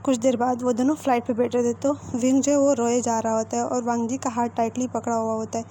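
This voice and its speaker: A woman's voice: on the high side, little pitch movement, a little fast, dark tone, slight background noise. A woman retelling a fan fiction story in a conversational way, linking each quote with "so he says".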